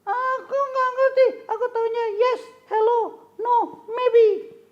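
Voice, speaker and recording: A woman voicing a small, timid childish puppet boy with a very high, squeaky, whiny voice that fumbles its words. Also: fairly even intonation, takes it slowly, lo-fi sound. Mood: hesitant. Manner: whiny, hesitant, broken English.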